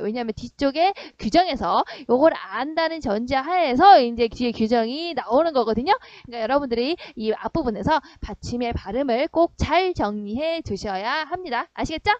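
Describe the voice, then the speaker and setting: A woman's voice: a little high, no room sound, lo-fi sound. Dry-sounding woman teaching grammar. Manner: explains step by step with frequent check-in questions. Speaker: middle school Korean teacher. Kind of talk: online grammar lesson.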